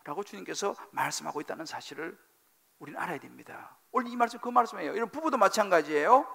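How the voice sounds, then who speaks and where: Animated high-pitched male preacher. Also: quick pace, creaky, slightly rough. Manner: animated preaching, emphatic repetition, questions to the congregation. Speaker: senior pastor. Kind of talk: sermon. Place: church sanctuary.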